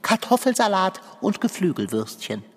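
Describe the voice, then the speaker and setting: A woman's voice: medium pitch, big pitch swings, normal speed, breathy edge. Woman doing a fussy, airsick black tomcat. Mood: delighted. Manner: dramatic, theatrical complaining. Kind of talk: children's audio play narration in character.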